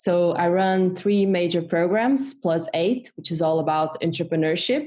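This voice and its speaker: At a fairly slow pace, a woman with a Brazilian accent speaks in a fairly low pitch with a dark, mellow tone and ordinary pitch variation. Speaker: startup program manager. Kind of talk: podcast interview.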